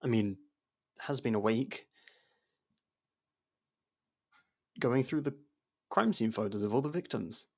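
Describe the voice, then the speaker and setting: A male voice actor plays a jailed man working a case, blunt and guarded yet wryly supportive. His voice has plenty of gravelly creak at a slightly low pitch. He talks conversationally in ASMR audio drama style, with hesitant pauses. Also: lightly acted. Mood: surprised, curious.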